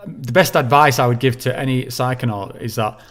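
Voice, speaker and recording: A man from Leigh in northern England hosting a call-in show. He gives relaxed, practical advice and often repeats words as he talks. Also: medium pitch, a little fast. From Leigh, near Wigan, England. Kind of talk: casual call-in chat.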